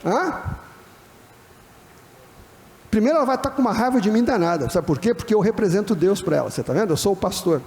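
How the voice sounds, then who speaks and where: A man's voice: high voice, animated, racing, darkish tone. A man with a Brazilian Portuguese accent, a pastor giving a conversational lecture, often checking in with the audience and acting out quoted dialogue. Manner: acts out quoted dialogue in other voices. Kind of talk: classroom lecture on church and disability. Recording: hall with long reverb.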